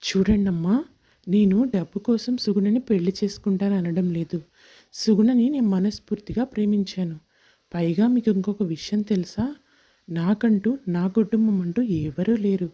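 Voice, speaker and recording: A woman voicing a sincere, devoted young man in love, earnest and polite, in an animated moral story. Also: mid-range voice, moderate pace, husky, dull audio, lightly acted. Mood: sincere, reassuring.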